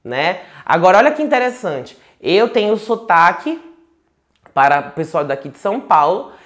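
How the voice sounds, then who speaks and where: A man's voice: sits high, big pitch swings, moderate pace, fairly bright tone. A man from Manaus with a Manaus Portuguese accent teaches tarot in a loose, conversational way from home. He wanders between examples, restarts his sentences and keeps checking in with his listeners. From Manaus, Brazil. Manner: chatty and digressive, with frequent restarts and tag questions. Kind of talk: casual online lecture. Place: home, indoors.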